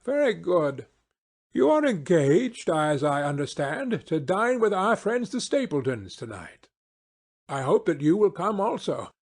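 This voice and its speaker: A man's voice: high-pitched, sing-song, measured pace, darkish tone, breathy edge, full character voice. A man playing a confident, eager male detective in an audiobook, with commanding, precise phrasing. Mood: brisk, assured. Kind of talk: audiobook character acting.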